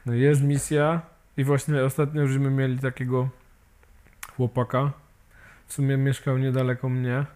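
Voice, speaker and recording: A man's voice: medium pitch, monotone, darkish tone. A man who is an amputee and peer support volunteer, talking casually in an interview and hesitating often as he searches for words. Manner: halting, many fillers and restarts, ends with tag questions.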